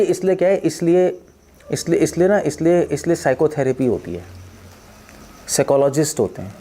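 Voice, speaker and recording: Man, spiritual discourse, mellow tone, animated storytelling, repeats phrases for emphasis. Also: on the high side. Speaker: monk and former doctor giving a talk.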